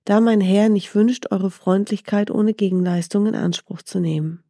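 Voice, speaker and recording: A woman voicing a small, clever talking gazelle in a storybook, speaking softly and persuasively. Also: mid-range voice, fairly even intonation, normal speed, no echo, clean studio sound, natural voice. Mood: courtly. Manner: soft, gently persuasive.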